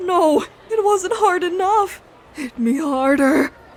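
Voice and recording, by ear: A woman's cartoonish character voice, extremely high-pitched, at a fairly slow pace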